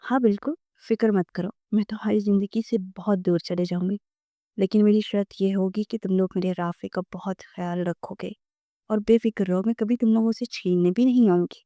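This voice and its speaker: Woman reading proud young wife, cold, composed, mellow tone, dry. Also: medium pitch, no echo, natural voice. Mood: calm. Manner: flat, cool, composed.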